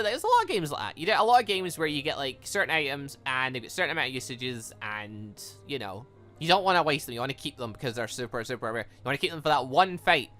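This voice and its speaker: A man's voice: medium pitch, pushed and bright. A man doing casual let's-play commentary on a visual novel, rambling and correcting himself as he reads and reacts. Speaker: gaming video host playing a visual novel. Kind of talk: casual let's-play commentary, reading game dialogue aloud.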